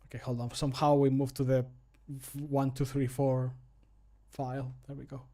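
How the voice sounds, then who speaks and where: A man's voice: mid-range voice, monotone, moderate pace, mellow. A man in his thirties chatting casually on a livestream while he works, muttering and poking fun at himself. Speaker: streamer and amateur voice actor. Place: small home room, indoors.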